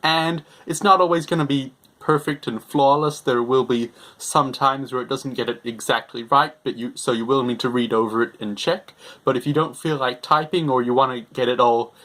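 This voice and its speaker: A man's voice: mid-range voice, steady tone, moderate pace, few pauses, a bit bright. Young man hosting a simple tutorial. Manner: simple, repetitive explaining, refers to himself in third person. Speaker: tutorial host. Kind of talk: explanatory software tutorial.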